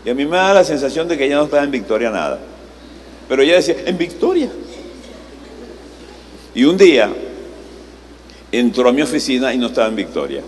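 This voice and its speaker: A man's voice: mid-range voice, sing-song, quick pace, long pauses. Man preaching in a reverberant hall. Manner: conversational preaching with rhetorical questions to the congregation. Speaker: pastor. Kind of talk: sermon. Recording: live sermon in a reverberant hall, faint noise.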